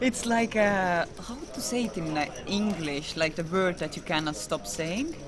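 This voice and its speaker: A woman speaks with an Estonian accent at a moderate pace. Her fairly low pitch makes very wide swings. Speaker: poker co-commentator. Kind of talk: live commentary. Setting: live stream.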